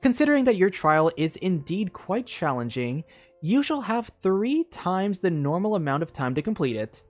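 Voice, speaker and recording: Streamer acting out a brazen witch teacher, raised pitch, airy and theatrical, reassuring, storybook character, music behind. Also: big pitch swings, moderate pace, a little mellow, natural voice. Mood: encouraging. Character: breezy, brazen witch teacher, encouraging and evasive. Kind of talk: storybook read-aloud.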